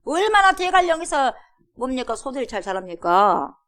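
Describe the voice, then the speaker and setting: A woman pastor preaches from the pulpit of a church. Her voice sits a little high for a woman. She leans hard on her points and keeps asking the congregation questions. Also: sing-song, normal speed, a bit bright. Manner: emphatic, with rhetorical questions and acted-out quotes. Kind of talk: sermon. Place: church sanctuary.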